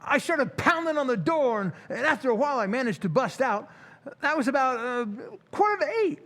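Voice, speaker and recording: A man's voice: extremely high pitch, lively intonation, fairly quick, fairly bright tone, full character voice. A man playing a flustered, eager working-class station attendant in an old-time radio drama, stammering and rambling in slang.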